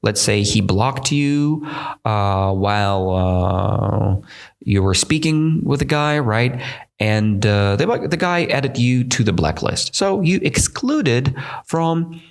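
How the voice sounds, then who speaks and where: A man's voice: medium pitch, animated, slow pace, vocal fry. A man from Russia with a Russian accent, hosting an English-learning podcast and explaining words in a chatty way, often asking "right?". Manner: chatty, keeps checking with "right?". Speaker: English teacher, podcast host. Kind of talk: explaining vocabulary while reading comments aloud.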